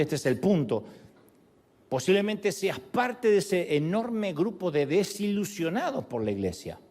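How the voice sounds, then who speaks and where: A middle-aged man delivers a sermon with theatrical flair, his fairly high voice rising and falling widely. He voices quotes and punchlines dramatically as he preaches. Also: darkish tone. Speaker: pastor.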